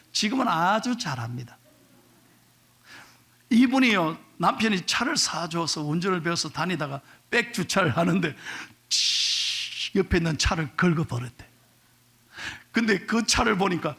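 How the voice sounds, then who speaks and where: A middle-aged man preaching a sermon to his congregation, animated, dropping to a whisper for emphasis and acting out the voices he quotes. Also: sits high, vocal fry, breathy edge. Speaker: pastor.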